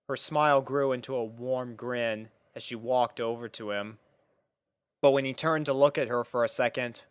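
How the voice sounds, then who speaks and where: A woman narrating a scripted story in an expressive manner. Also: extremely low pitch, clean tone.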